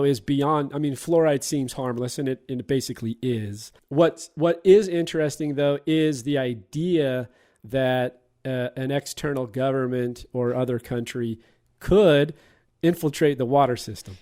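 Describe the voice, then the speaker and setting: A man's voice: medium pitch, a little slow, warm tone. A man hosting a casual movie podcast, retelling scenes and chuckling along. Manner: laughs while retelling scenes. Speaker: podcast host.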